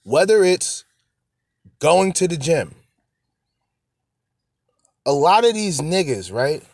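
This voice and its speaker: A man's voice: on the high side, very animated, takes it slowly, a little mellow, dry recording, clean studio sound. A man hosting a casual, opinionated monologue, blunt and full of slang and swearing, repeating phrases for emphasis. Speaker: solo show host.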